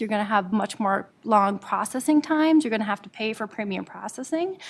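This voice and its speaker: A woman talks fairly quickly in a Midwestern American accent. Her pitch rises and falls in an ordinary way. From US Midwest, Nebraska. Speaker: immigration lawyer. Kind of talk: webinar presentation. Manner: fast; animated.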